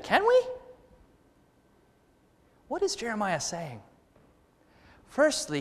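A man's voice: sits high, long reverb tail. A man preaching a conversational sermon as a guest in a church, asking the congregation questions.

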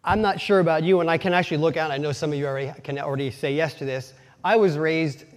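A lay preacher from Pennsylvania, USA, with a light Pennsylvania Dutch accent gives a casual, folksy sermon packed with personal stories and self-deprecating asides, often starting his sentences over. His voice is fairly high, his intonation fairly even and his pace quick. The long reverb of the church sanctuary hangs on every word.

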